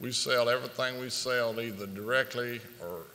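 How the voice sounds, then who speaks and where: A man with a Southern US accent speaks in a bright, sharp tone with fairly even intonation, and room echo can be heard. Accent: Southern US drawl. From South Georgia, US. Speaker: onion farm company president. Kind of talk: conference panel talk. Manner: folksy, casual.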